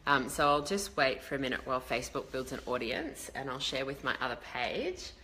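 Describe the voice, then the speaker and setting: A woman's voice: rumbling low, animated, fairly quick, sharp tone. A woman with a slightly crackly voice, chatting casually and ramblingly to a live online audience as a leadership coach. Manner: chatty, rambling, greets viewers mid-thought.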